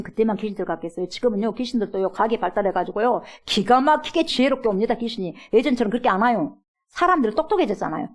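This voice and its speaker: A middle-aged woman pastor preaching a sermon in a church, acting out pleas and swinging between loud and hushed. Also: medium pitch, husky. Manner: dramatic, acts out quoted pleas with big swings from loud to hushed. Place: church sanctuary.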